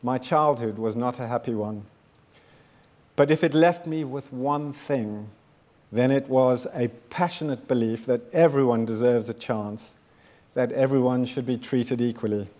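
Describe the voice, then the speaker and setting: A man in his fifties, raised in South Africa, delivering a prepared speech as a founder, measured and earnest, building his points with repeated phrases. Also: medium pitch, darkish tone. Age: 50s. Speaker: founder giving a talk.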